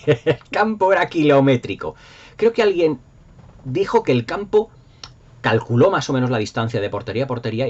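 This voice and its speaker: A man's voice: lowish voice, darkish tone, slightly rough. A middle-aged man with an accent from Spain, chatting casually and nostalgically to viewers in an enthusiastic, rambling, emphatic way. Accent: Spanish from Spain. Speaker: YouTube host. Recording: dull lo-fi sound.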